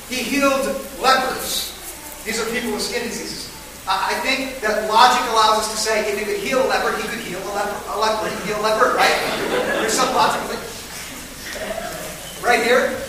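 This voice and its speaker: A man preaching a sermon to a live congregation, talking conversationally and asking the audience questions as he explains. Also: high voice. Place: large hall with a live audience. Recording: echoey hall from far off, audible noise.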